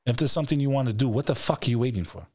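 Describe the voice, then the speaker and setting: Husky and animated, a middle-aged show host races along at a medium pitch in a dry recording. His motivational interview talk is profane, blunt and emphatic, leaning on repeated phrases for weight. He's on a video call in an indoor studio setup, using a close studio microphone on a stand.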